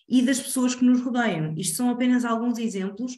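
A woman's somewhat breathy voice with ordinary pitch variation. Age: 30s. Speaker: aromatherapist. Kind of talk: webinar presentation.

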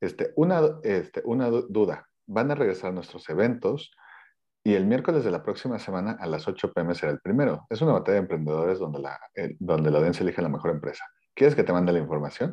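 This man talks at a very fast pace with a fairly low pitch. His pitch swings very widely. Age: 30s. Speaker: podcast co-host. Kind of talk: casual chat.

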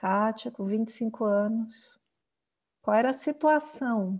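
A woman speaks at a fairly high pitch with a dark, mellow tone. Her voice is somewhat breathy, with ordinary pitch variation. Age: 40s. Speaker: spiritual teacher. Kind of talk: live Q&A talk. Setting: livestream. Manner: informal, conversational.

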